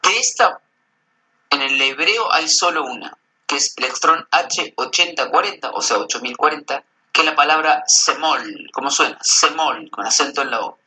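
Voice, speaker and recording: Guy with a really bright voice, kinda high, reading words off a list slowly in a voice note. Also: slight background noise, poor audio. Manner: reads slowly, spells out terms, hesitant. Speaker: researcher sending voice messages. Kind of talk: casual voice message reading word lists.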